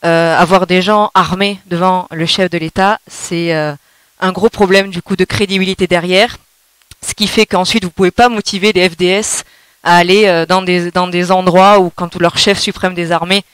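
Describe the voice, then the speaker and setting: A woman's voice: fairly low pitch, fairly even intonation, moderate pace, a bit bright, clean tone, no room sound. A woman speaking from the audience, making an impassioned public remark and putting questions to a panel.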